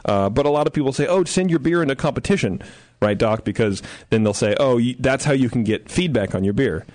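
A man's voice: mid-range voice, animated, brisk, a little mellow. A man hosting a studio podcast, joking and chatty and laughing often. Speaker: podcast host. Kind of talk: casual chat. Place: radio studio.

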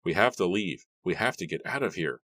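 A man's voice: low voice, expressive, a little fast, a bit bright, dry recording. A man voicing a firm, urgent family man giving short, insistent commands in a storybook reading.

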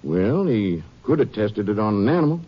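A man's voice: on the low side, very animated, moderate pace. A man playing an earnest, plain-spoken small-town sheriff with an American accent in an old radio drama. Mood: inquiring. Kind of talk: 1950s radio drama acting. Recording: dull old radio recording with hiss.

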